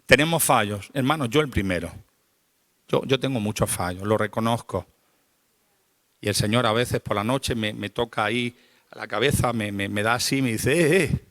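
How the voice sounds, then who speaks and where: A male pastor with a fairly low voice preaches a sermon at a moderate pace, using repetitive, rhythmic calls to the congregation. He swings between quiet, confessional passages and loud, rising climaxes.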